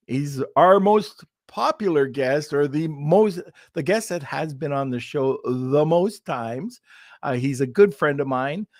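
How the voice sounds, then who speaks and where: A man's voice: fairly high pitch, dry recording, clean studio sound. A man hosting a live podcast over a video call, chatting casually, rambling and laughing at himself. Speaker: podcast host. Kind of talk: casual live-stream chat.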